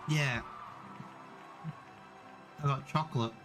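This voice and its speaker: A man's voice: mid-range voice, steady tone, slow pace, over music. A man with an Australian accent hosting a stream watch party, chatting casually and drawing giveaway winners. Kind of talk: casual chat. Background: tournament broadcast playing.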